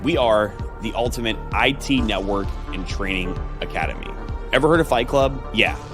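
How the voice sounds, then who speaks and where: A man's voice: on the low side, normal speed, over music. A man presenting a scripted promotional spot with punchy, emphatic delivery. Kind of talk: scripted ad read.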